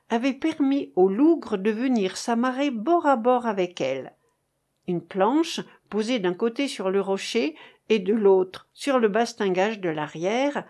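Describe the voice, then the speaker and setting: A woman narrating a classic adventure novel as an audiobook reader, in a measured, deliberate way. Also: fairly high pitch, a little mellow.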